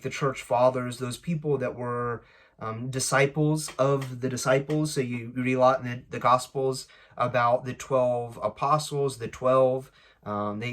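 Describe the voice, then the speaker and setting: A man speaking casually and unscripted as host of a language-learning channel, often halting as he searches for his words. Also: mid-range voice. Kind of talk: casual unscripted introduction to camera.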